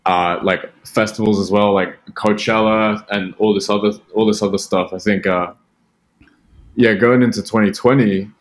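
Male podcast guest, low voice, Australian-sounding British-American accent, casual conversational delivery. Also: steady tone, normal speed. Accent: British mixed with American, sounds Australian. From Britain. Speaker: podcast guest, music producer. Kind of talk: casual chat.

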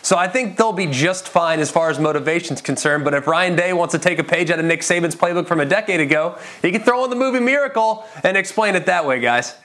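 A man's voice: high-pitched, quick pace, hardly any pauses, fairly bright tone. A man analyzing football on a panel, confident and detailed, drawing on his own playing days. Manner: confident, detailed, builds points with anecdotes. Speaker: football analyst, former player. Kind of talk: sports analysis.

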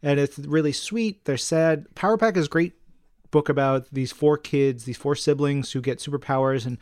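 A man's voice: fairly high pitch, normal speed, a little mellow, no echo, studio quality. A man co-hosting a podcast in a casual, enthusiastic and effusive chatting style. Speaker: podcast co-host.

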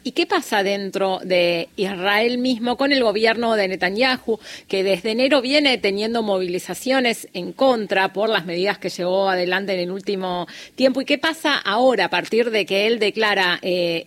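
A woman with an Argentine Spanish accent, hosting a radio interview and asking clear, probing questions. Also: medium pitch, a bit bright. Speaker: radio host.

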